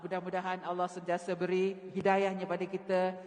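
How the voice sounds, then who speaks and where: A woman religious teacher, giving a women's lecture in a mosque and telling stories with lively sound mimicry. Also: lowish voice, a little fast. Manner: animated storytelling, mimics sounds. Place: mosque hall. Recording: reverberant mosque hall.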